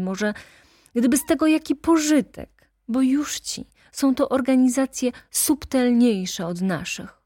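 A woman voicing a talkative older male lawyer who speaks in an animated, insistent way. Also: mid-range voice, dry recording, studio quality, voice pushed up.

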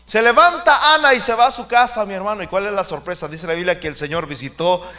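A man's voice: high voice, quick pace, bright, forceful tone. A man preaching a fervent sermon who keeps calling out to his listeners as brothers. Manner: fervent, calls out to the congregation often.

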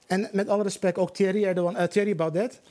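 Brief: rambling male guest, high voice, rapid delivery, lots of restarts. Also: fairly even intonation, background noise. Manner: rambling, stumbling over repeated words. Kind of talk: casual podcast chat.

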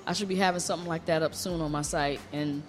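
A man's voice: on the high side, fairly even intonation, fast, over music. A male radio host chatting loosely and joking around, leaning heavily on "you know" and "like". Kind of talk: casual radio banter.

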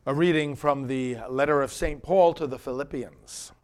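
A man speaking as a Catholic priest, solemnly reading scripture and preaching in an earnest, declamatory manner with deliberate phrasing. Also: mid-range voice, smooth.

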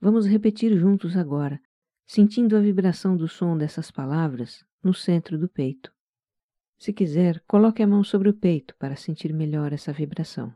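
This guided meditation is narrated in a very dark, velvety, mid-range voice with a Brazilian accent, at normal speed. The tone is soft-spoken, calm and gentle, in the style of scripted relaxation narration. The sound is close and dry, without any room sound.

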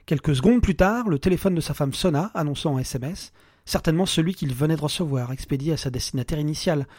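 A man narrating a dark short story with measured, dramatic pacing. His voice sits a little high, and the recording is dry and close with no room sound. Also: no room sound.

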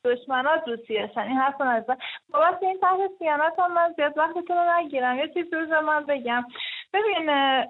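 A high-voiced woman caller sounds animated and indignant, and she laughs easily between her complaints. Her voice comes through a thin, tinny phone line. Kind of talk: call-in opinion.

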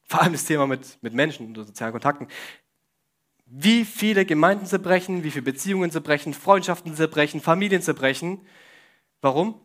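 A man's voice: on the high side, expressive, a little fast, a bit bright. Young man preaching with jokey asides. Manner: casual, joking asides, questions to the audience. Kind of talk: sermon to a congregation.

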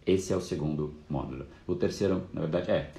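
A man's voice: a bass voice, a little fast, vocal fry, dark tone, echoey room. A man hosting a live course talk, explaining casually and fluently with frequent fillers. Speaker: course host.

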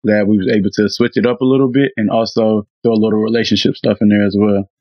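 Raspy guy cohosting a podcast, low monotone, kinda muffled audio. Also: fast talker, no echo. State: raspy from recent flu. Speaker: podcast co-host and audio engineer. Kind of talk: casual podcast chat.

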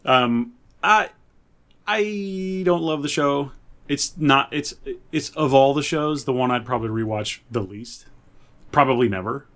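A man with a mid-range voice speaks as a podcast co-host. He chats informally, qualifying and softening what he thinks as he goes along. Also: medium pitch, unhurried. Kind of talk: casual chat reviewing superhero TV.

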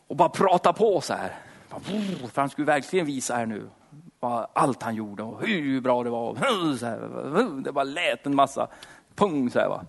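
A man's voice: medium pitch, animated, creaky. A man preaching, moving from fervent prayer that repeats "Lord" between phrases into a casual, slangy sermon full of fillers.

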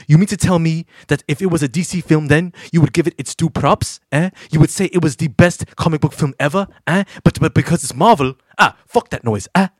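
A man's voice: a little high, fairly quick, few pauses, breathy edge, no echo. A podcast co-host putting on a Nigerian accent to play a stammering man who scolds a rival fan with insults. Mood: scolding. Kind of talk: comic rant on a podcast.

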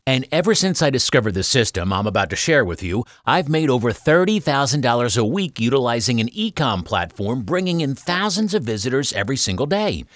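A man reading a scripted video sales pitch, talking straight to the listener in a persuasive, conversational way with emphatic rhetorical questions. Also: no echo. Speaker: voice-over artist for sales videos. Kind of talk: scripted sales pitch narration, direct address. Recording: dry close studio voice-over.

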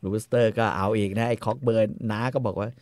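A man casually retelling a story in coarse slang, narrating with animated energy. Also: on the low side, fast talker, smooth, dry recording, clean studio sound.

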